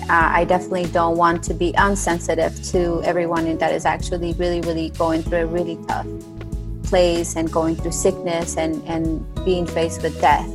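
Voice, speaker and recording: A woman from Colombia with a Colombian Spanish accent, speaking as a guest coach in an earnest, hesitant way with fillers and restarts. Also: on the low side. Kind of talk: casual interview talk.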